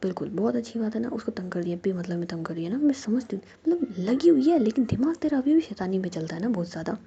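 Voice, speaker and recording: A woman's voice: mid-range voice, animated, fast talker, gravelly, dark tone, breathy edge, heavily acted. A woman voicing a blunt, mocking young friend. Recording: dull lo-fi recording with faint noise.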